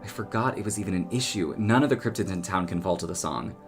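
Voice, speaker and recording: A man acting a protective young townsperson in an audio drama, casual and earnest, given to gentle scolding. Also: low voice, fast, over music. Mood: earnest, reassuring. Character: protective, exasperated young male cryptid townsperson.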